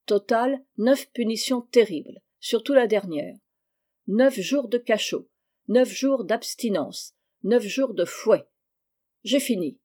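A woman's voice: on the high side, expressive, slow, a little mellow. A woman reading a cruel school director. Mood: severe. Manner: cold, pronouncing sentences. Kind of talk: audiobook reading.

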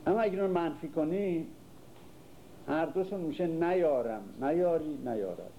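A man's voice: on the high side, muffled recording. An older man teaching a class, reciting verses and then explaining them in casual speech, quizzing his listeners as he goes. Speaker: literature teacher. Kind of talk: lecture on classical poetry. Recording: faint background noise.

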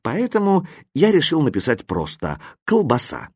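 A man giving expressive first-person storybook narration in a dry, close recording. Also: mid-range voice, moderate pace, slightly rough, no echo. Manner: lively first-person telling, voicing a boy. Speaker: audiobook narrator.

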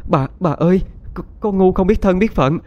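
A man's voice: high voice, moderate pace, highs cut off, voice pushed up, close to an everyday voice. A man voicing a terrified young servant woman who begs and stammers for mercy in a storybook reading. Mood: desperate begging. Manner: pleading, stammering.

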